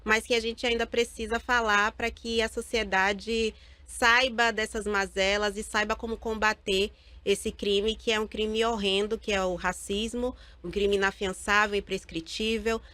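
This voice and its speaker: A woman's voice: medium pitch, flat delivery, measured pace, few pauses, pushed and bright, no room sound. A Brazilian woman from Bahia talking as a guest in an interview. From Salvador, Bahia, Brazil. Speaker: guest, lawyer and activist. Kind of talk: personal interview talk.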